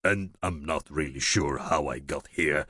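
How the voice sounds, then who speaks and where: A man's voice: rumbling low, a little slow, bright, forceful tone, husky, no echo, studio quality, pitched below the performer's own voice, exaggerated voice. A man voicing a bumbling, friendly young dragon. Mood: bashful. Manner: stammering, bumbling.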